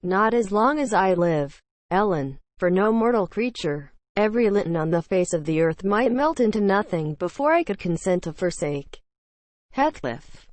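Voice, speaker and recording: A woman voicing a passionate, willful young gentlewoman in a storybook, impetuous and declamatory. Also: mid-range voice, animated, normal speed, no echo, close to an everyday voice. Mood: indignant, vehement.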